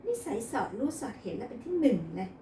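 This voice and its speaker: A woman's voice: a little high, normal speed, dark tone, slight background noise, natural voice. A woman voicing a chatty, nagging head housekeeper in a read-aloud novel, recorded in an echoey room. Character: nosy head housekeeper, middle-aged woman. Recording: echoey room, distant mic.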